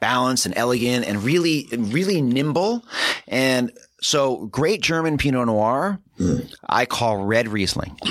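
In a New York accent, a man talks at a fairly slow pace and a medium pitch, with lively intonation. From New York City, Upper East Side. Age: 40s. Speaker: wine importer. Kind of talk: casual chat.

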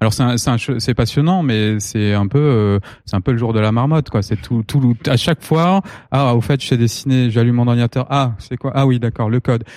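A man with an ordinary speaking voice, medium pitch and ordinary pitch variation at a moderate pace, on a very clean recording with a silent background. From Alsace, France. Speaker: illustrator. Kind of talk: live podcast interview. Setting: stage with audience.

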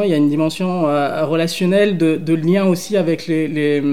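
Noticeable background noise behind a man's fairly high voice with ordinary pitch variation. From grew up in Limoges, France, after arriving from an English-speaking country at 9-10. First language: English (speaking French). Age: 30s. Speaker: business development manager. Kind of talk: interview. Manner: energetic; hesitant with fillers.

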